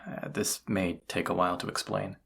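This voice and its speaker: Man playing a husky, low-voiced, hesitant incubus. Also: little pitch movement, full character voice. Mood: flustered, hesitant. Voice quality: husky, gravelly. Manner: hesitant, halting, soft-spoken, awkward. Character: tired, flustered male incubus roommate confessing feelings. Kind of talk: roleplay audio drama, intimate one-sided dialogue.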